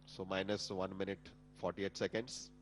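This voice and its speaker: Low-voiced Indian man giving live launch commentary. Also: flat delivery, normal speed, rough recording. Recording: humming background noise.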